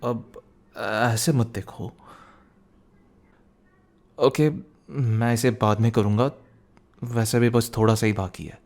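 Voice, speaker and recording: A man playing a young student boyfriend, teasing and protective, in an intimate ASMR roleplay with a soft conversational delivery. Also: on the low side, fairly even intonation, takes it slowly, long pauses. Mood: indulgent, suspicious.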